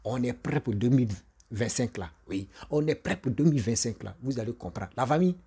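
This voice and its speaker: A man's voice: medium pitch, animated, fairly quick, warm tone, slightly rough. A man with an Ivorian accent giving informal political commentary, repeating himself for emphasis and addressing viewers directly. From Ivory Coast. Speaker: online video commentator and presenter.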